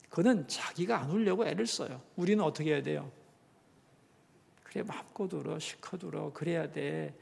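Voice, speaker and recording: A man's voice: on the high side, creaky, a little mellow, in a large hall. A middle-aged male pastor giving an earnest sermon, often asking the congregation questions. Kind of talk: sermon Bible lecture. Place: church sanctuary.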